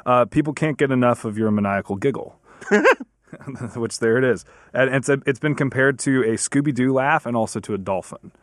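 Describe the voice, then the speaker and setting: A man's voice: mid-range voice, moderate pace, no echo. Dry young man reading comments. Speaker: producer reading listener comments. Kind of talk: casual studio chat.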